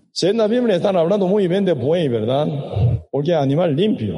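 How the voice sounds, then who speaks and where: There is audible room echo around this man's high-pitched voice as he speaks with lively intonation. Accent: Korean. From South Korea. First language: Korean (speaking Spanish). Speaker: pastor. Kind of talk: sermon. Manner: halting.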